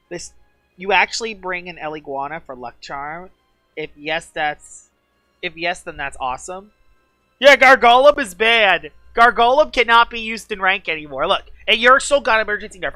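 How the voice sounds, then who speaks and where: Woman streamer, gushing and chatty; animated delivery, dry close sound. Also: on the high side, dry recording. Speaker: game streamer. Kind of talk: casual live-stream chat.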